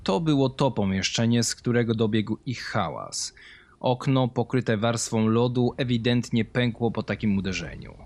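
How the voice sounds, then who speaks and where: A man's voice: mid-range voice, moderate pace, darkish tone. A man reading a scripted horror story as its narrator.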